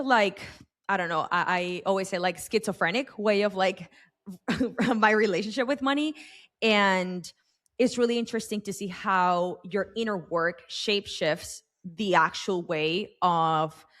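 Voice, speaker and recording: A young adult woman hosting a podcast interview, chatting casually with plenty of fillers as she rambles toward her question. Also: on the low side. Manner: rambling, heavy use of fillers. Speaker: podcast host.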